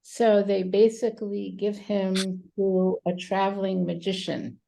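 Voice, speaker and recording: Woman, psychotherapist guest, unhurried pace, strong vocal fry, video call. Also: medium pitch, little pitch movement, mellow, slight background noise, poor audio. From Romania. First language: Romanian. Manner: thoughtful, many fillers and pauses. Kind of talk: reflective interview answers.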